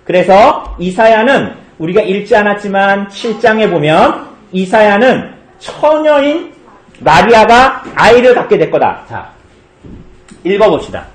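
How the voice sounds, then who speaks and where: A male pastor giving a children's sermon, asking the kids questions and answering them in a lively way. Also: sits high, a little slow, roomy sound. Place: church.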